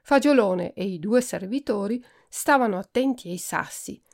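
A woman hosting a podcast reads a children's storybook aloud, steady and expressive. Her voice has a gravelly, creaky texture at a mid pitch. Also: moderate pace. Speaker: podcast host reading a children's book.

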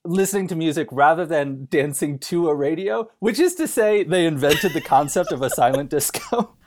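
A man talking casually about films as a podcast guest, rambling and halting in an amused way. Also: on the high side, big pitch swings, slight background noise. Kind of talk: casual film chat.

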